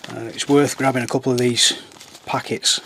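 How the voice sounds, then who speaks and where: Croaky man at a hobby bench. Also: mid-range voice, flat delivery, moderate pace. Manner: rambling, self-mocking, chatty. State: croaky from a sore throat. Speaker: scale model builder. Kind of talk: casual how-to chat. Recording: noisy with crinkling sounds.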